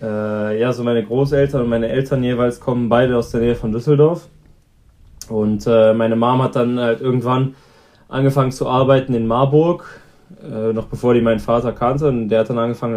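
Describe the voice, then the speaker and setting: A man in his twenties, a guest on a podcast, answering in a relaxed, rambling way with many fillers. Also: medium pitch, brisk. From Belgium. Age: 20s. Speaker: guest, pro cyclist. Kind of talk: casual interview answers.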